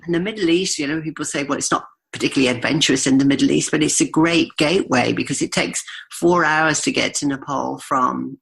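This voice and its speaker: A woman's voice: low-pitched, a little fast, vocal fry, husky. A woman in her fifties with a Yorkshire accent, chatting as a guest and telling stories with frequent laughs. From Yorkshire, England. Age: 50s. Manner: chatty, laughs often, storytelling. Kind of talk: podcast interview.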